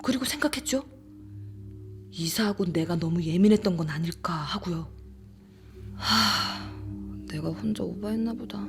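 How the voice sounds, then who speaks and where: A woman playing a frightened young woman who recounts a ghost story in a hushed, confiding, suspenseful way. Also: mid-range voice, measured pace, vocal fry, long pauses, faint music behind. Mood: hushed tension. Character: frightened young woman recounting her haunted rented room. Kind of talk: dramatic first-person horror audiobook narration.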